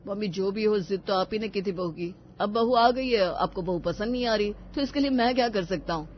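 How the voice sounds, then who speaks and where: Woman voicing a calm young son. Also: medium pitch, brisk, highs cut off, natural voice. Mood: reasoning. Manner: calm, reasoning, placating. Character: grown son, patient young husband.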